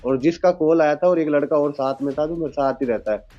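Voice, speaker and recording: A young man from Rajasthan, a driver telling a reporter what happened, in a plain and halting way. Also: fairly high pitch, faint music behind. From Rajasthan, India. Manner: plain, halting retelling with quoted dialogue. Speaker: taxi driver and witness. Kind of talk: news interview account. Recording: dull lo-fi sound.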